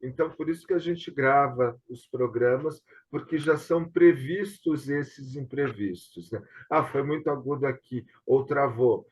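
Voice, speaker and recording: A man's voice: mid-range voice, a little slow, few pauses, slight background noise. A Brazilian man hosting a casual online discussion, explaining things and often checking for agreement, recorded over a video call. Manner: explanatory, often seeking agreement with tag questions. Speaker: host and theatre director. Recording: dull, lo-fi video-call audio.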